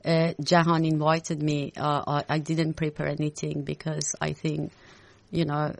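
A woman with an Iranian accent, a photographer guest on a radio show, speaking unscripted with halting restarts. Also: low voice, level tone, creaky, dry recording. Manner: halting, repeats words, laughs often. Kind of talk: unscripted interview talk. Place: radio studio.

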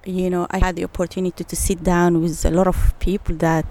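A woman's voice: fairly low pitch, level tone, fairly quick, warm tone. A woman of around sixty, speaking as an interview guest and telling her story in an earnest, thoughtful way. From Eritrea. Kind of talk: casual interview.

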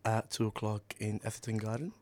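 A man from Egypt speaks in a low, even voice with little rise and fall. He answers a radio host in a relaxed way, often with short easygoing replies. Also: fairly quick. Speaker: youth community engagement worker. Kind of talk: casual radio interview.

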